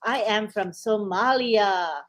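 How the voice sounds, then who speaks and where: A woman's voice: medium pitch, takes it slowly. An older woman co-hosting a casual live-stream chat, greeting viewers in a friendly way and laughing easily.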